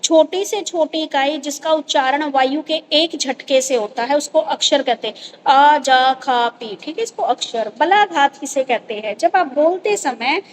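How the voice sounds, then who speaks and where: A high-pitched woman teaches a grammar lesson, explaining each point patiently and stopping often to check that her students follow. A faint hiss of noise sits under her voice. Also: unhurried, low-quality recording.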